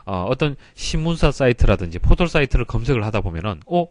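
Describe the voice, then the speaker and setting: Man, exam prep instructor, animated intonation, didactic explaining, close dry sound. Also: mid-range voice, fast talker, dry recording. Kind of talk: explanatory lecture, reading and solving exam questions.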